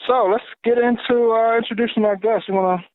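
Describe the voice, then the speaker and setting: An upbeat man hosts the podcast, pushing the talk along with quick, cheerful prompts. His voice is notably high for a man and close, with no room sound. It comes over a thin, phone-like line. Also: fairly even intonation, no room sound. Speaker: host. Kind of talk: casual podcast chat. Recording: tinny phone-line audio, dry.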